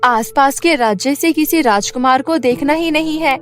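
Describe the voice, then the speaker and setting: A woman acts out a scheming, middle-aged queen mother from a cartoon tale. The voice sits somewhat high and sounds persuasive and explanatory, over a soft music bed. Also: moderate pace, close to an everyday voice. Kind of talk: Hindi cartoon story dubbing.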